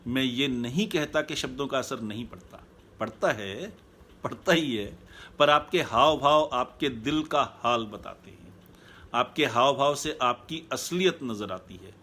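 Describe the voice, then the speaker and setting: A man speaking as a happiness coach in a live online talk, calm and measured, repeating his key points. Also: medium pitch, slight background noise.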